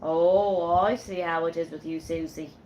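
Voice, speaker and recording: A woman voicing a jealous male sailor who talks in blunt, loud nautical slang. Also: lowish voice, steady tone, measured pace, a little hiss or hum, lightly acted, rough recording. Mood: blustering. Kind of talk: read-aloud storytelling.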